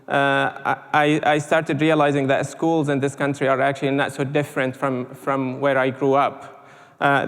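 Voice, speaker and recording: A man from Syria speaking in a lecture hall, with a gravelly voice and a flat, even delivery. He halts often, with many "uh"s and repeated words. A long reverb trails his speech. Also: mid-range voice. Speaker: panel speaker. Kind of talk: conference talk.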